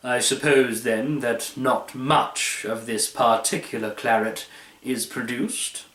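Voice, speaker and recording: A man voicing a proud, serious wine connoisseur in a storybook reading, slow, haughty and terse. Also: medium pitch, fairly even intonation, fairly bright tone, roomy sound, far from the mic, rough recording.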